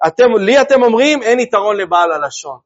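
A man's voice: sits high, animated, muffled recording. A man voicing a retorting snake. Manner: retorting, questions back. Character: clever snake retorting to its questioners.

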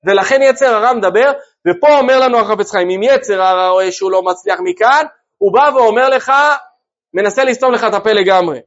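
Male Torah teacher, lively, rhetorical, dull lo-fi sound. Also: high-pitched. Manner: lively, asks listeners rhetorical questions. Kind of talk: religious class to a group.

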